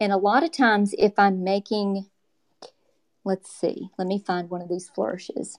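A woman with an ordinary speaking voice talks at a moderate pace, at medium pitch and with ordinary pitch variation. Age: 50s. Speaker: professional calligrapher. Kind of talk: live lesson with demonstration. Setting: video call.

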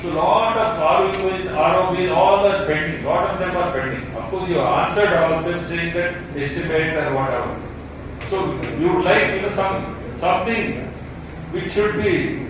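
The pace is fairly slow, with ordinary pitch variation. A strong room echo and noticeable background noise sit under the voice. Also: man, high pitch for a man. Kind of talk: meeting address. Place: meeting room. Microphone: camera far.

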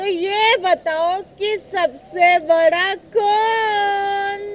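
Amid noticeable background noise, a woman with an extremely high pitch drawls in fairly even intonation. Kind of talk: acted comedy dialogue. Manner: tipsy, drawling drunk voice. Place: waterside.

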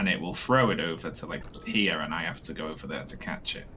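Noticeable background noise behind a man's very deep, low voice at a fairly quick pace. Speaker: streamer. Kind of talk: casual chat.

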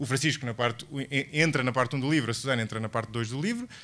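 A man's bright, sharp-toned voice with ordinary pitch variation. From Portugal. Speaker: author and podcast host; podcast host. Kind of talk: book presentation talk. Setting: bookstore event with audience. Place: stage. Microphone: speaks close to the microphone; studio mic.

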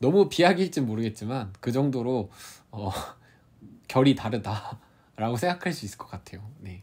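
Somewhat breathy, a man speaks at a moderate pace with lively intonation and big swings in loudness. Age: 30s. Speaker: architect; interviewee. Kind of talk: interview. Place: home room.

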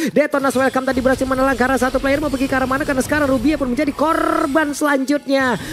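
Very fast, very evenly loud speech with hardly any pauses over noticeable background noise. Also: man, extremely high pitch for a man. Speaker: esports caster. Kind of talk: esports match commentary. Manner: fast, excitable play-by-play.

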